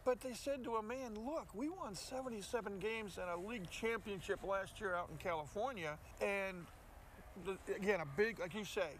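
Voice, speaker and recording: A man's voice: high voice, moderate pace, a bit bright. An older American man, a play-by-play announcer, talking sports as a co-host and repeating words for emphasis. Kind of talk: sports commentary chat. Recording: faint ambient background noise.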